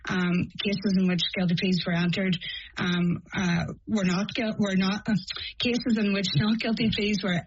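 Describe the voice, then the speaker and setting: A woman with a Northern Irish accent speaks as a reporter on a radio programme, explaining her court findings in a halting way full of pauses and self-corrections. Her voice sits at a middling pitch for a woman. The sound is slightly dull, as from a broadcast, with a faint hiss behind it. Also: steady tone. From Northern Ireland. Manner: hesitant, many pauses and restarts while reporting figures. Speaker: court reporter, journalist guest. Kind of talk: radio interview answers.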